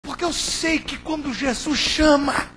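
A hoarse male pastor preaching a sermon, moving from quiet, intimate talk to fervent shouting. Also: very high voice, measured pace.

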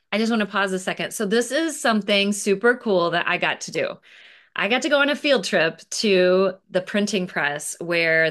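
On a video call from a bookshelf-filled room, a forties-aged picture book author reads to kids and explains her work in a casual, expressive way. Her voice sits on the low side and is a bit bright.

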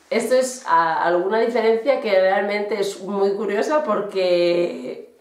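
A woman giving a casual German lesson, explaining slowly with fillers. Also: medium pitch. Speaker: German teacher. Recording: echoey room.

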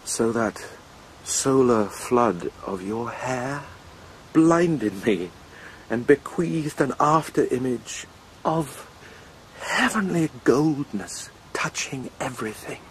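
A man's voice: medium pitch, lively intonation, takes it slowly, a little hiss or hum, low-quality recording. An actor playing an eloquent lovesick poet-swordsman, ardent and sardonic, in lyrical, declamatory verse for a classical radio drama.

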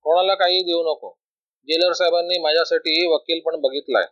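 A man reading a calm young prisoner. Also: on the high side, normal speed, dry recording, close to an everyday voice. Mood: reassuring. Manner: reassuring, earnest. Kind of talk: storybook reading. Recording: dull lo-fi recording.

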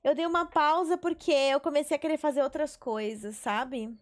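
A young woman with a high voice and fairly even intonation talks at a normal speed while streaming a life-sim game from a small bedroom setup. She chats casually with viewers, tells stories, and swears now and then, picked up by a headset mic on her webcam stream.

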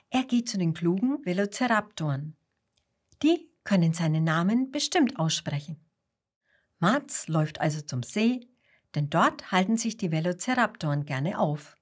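A woman narrating a children's audio story in a gentle, expressive storytelling manner. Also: mid-range voice, a little slow, husky.

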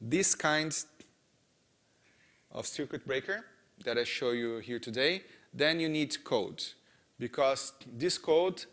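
A man's voice: medium pitch, takes it slowly, long pauses. A man in his thirties from Brazil with a Brazilian Portuguese accent, presenting a technical talk on a conference stage, gesturing a lot and often checking in with "right?". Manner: animated, gestures a lot, frequent "right?" and "uh" fillers. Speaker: conference speaker. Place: large conference hall stage.

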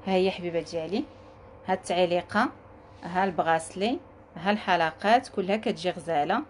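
Fast-talking Moroccan woman selling jewelry. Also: lowish voice, a little hiss or hum. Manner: lively, coaxing, repeats herself, chats with shop staff. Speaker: jewelry seller. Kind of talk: live sales pitch. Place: jewelry shop.

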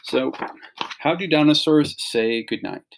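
A man's voice: a little high, animated, unhurried, vocal fry, a little hiss or hum, poor audio. A middle-aged man giving an instructional read-along for children, explaining and pointing things out in simple phrases. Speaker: teacher reading a picture book aloud to children.

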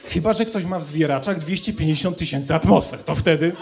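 A young man with a higher, creaky, slightly mellow voice talks fairly quickly, with a little hiss or hum in the audio. He's doing an ironic, conversational stand-up set into a handheld mic on a student club stage before an audience.

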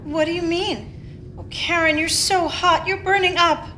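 A woman's voice: extremely high pitch, steady tone, unhurried, bright, forceful tone, a little hiss or hum, full character voice. A woman playing an anguished, tender mother and weary wife in a radio play. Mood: tender, worried. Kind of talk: live staged radio play reading.

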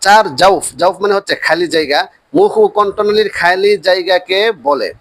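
A man teaching a Quran course, going through the Arabic letters slowly and patiently, repeating points and drawing each letter name out long. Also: high voice, dry recording. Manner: stretches letter names long and loud.

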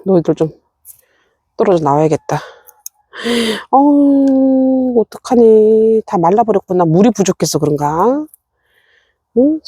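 A woman's voice: on the low side, animated, moderate pace, pauses often, dark tone, husky, no room sound, studio quality. A middle-aged woman in a casual vlog, chatting to her succulents and scolding herself as she tends them at her rural home. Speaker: succulent-growing vlogger. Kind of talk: casual chat while tending plants.

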